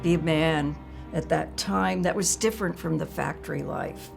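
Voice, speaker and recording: A woman reflects haltingly in a documentary interview. Her voice is on the low side and extremely creaky, with music clearly playing behind her. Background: music bed.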